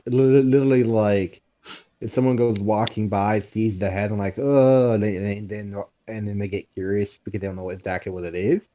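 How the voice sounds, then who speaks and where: A man's voice: fairly low pitch, steady tone, a little fast. A young man hosting a reaction video, chatting loosely with profanity and jokes. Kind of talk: casual chat. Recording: dull lo-fi audio.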